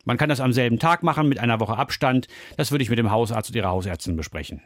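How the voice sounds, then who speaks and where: A man's voice: medium pitch, fast, dry recording. Male physician, mid-range voice, reassuring explainer for medical advice, dry studio sound. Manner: reassuring, explains in simple terms. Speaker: doctor answering callers.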